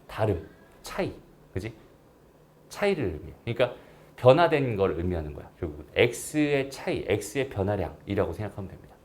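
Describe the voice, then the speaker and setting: Lively-voiced male math teacher. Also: lowish voice, normal speed. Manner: casual, checks understanding with frequent tag questions. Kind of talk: recorded math lecture.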